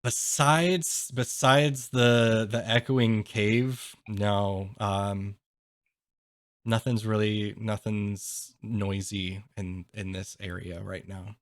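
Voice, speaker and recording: A man's voice: lowish voice, fairly even intonation, drawn-out words, no echo, clean studio sound. A man narrating a tabletop game as game master in a casual, hesitant and explanatory way.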